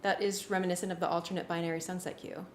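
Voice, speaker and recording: Casting: female arranger, casual working chat, lowish voice, roomy sound with faint noise. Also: level tone, racing. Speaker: music arranger. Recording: echoey room, faint background noise.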